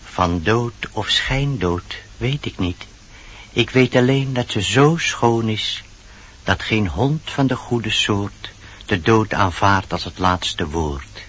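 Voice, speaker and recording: An earnest, faithful dog in a radio verse play. The voice is husky and slow, on a muffled old recording. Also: male voice, on the low side, lively intonation, fairly bright tone, exaggerated voice. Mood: earnest, devoted. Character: loyal male dog, earnest and steadfast. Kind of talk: theatrical verse radio drama.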